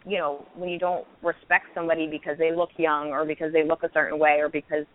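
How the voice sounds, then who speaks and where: A woman in her thirties, a stand-up comedian, telling stories candidly with quick restarts in a casual interview. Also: low-pitched, little pitch movement. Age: 30s. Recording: tinny phone-like line with faint noise.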